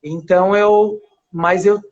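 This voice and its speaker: A man from Paraíba who grew up in São Paulo and speaks with a São Paulo accent, a guest actor chatting casually in an interview, rambling with restarts and soft laughs. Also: sits high, fairly even intonation, slow, crowd noise. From Paraíba, Brazil. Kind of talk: casual interview on a live stream. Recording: dull lo-fi live stream audio.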